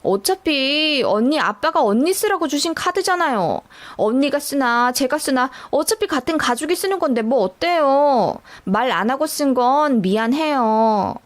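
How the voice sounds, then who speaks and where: A woman's voice: high-pitched, lively intonation, measured pace, few pauses. A woman voicing an entitled young sister-in-law in a dramatic story reading, whiny and pleading. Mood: defensive.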